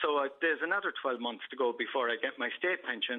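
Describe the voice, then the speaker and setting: A man talks at a moderate pace in a Cork accent. His pitch is fairly high, with ordinary variation. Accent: Cork Irish. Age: 50s. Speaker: caller. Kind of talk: radio phone-in. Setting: phone call.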